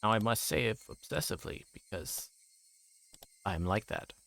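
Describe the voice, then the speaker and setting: A man's voice: on the low side, expressive, unhurried, vocal fry, a bit bright, slight background noise. A man livestreaming a visual novel, reading aloud and chatting casually with viewers.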